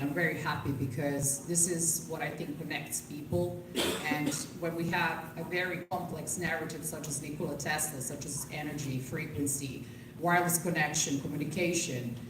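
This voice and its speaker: A woman with a low voice speaks as an artist on a panel, telling a personal story. She is recorded from a distance in a noisy, echoing room. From Serbia, moved to England at fifteen. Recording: echoey, noisy conference room, distant mic.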